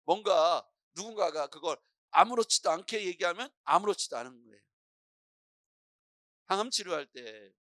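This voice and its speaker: A man's voice: a little high, dry recording, studio quality. A middle-aged male pastor preaching a morning prayer sermon in a church, telling stories and acting out voices as he goes. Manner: lively storytelling preacher, acting out anxious and calm voices.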